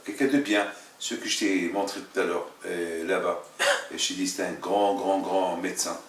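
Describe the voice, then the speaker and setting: Halting, emphatic man teaching in an echoey room. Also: low voice, fairly even intonation, slight background noise. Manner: repeats phrases, halting, emphatic. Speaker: religious teacher, rabbi leading a class. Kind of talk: informal religious lesson with questions. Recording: echoey room, mic at a distance.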